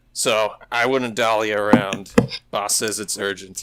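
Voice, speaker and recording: Raspy and slow-ish, the put-on character voice moves at a fairly slow pace. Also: man, fairly low pitch for a man. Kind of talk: 1920s gangster talk. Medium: actual play. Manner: brisk, businesslike.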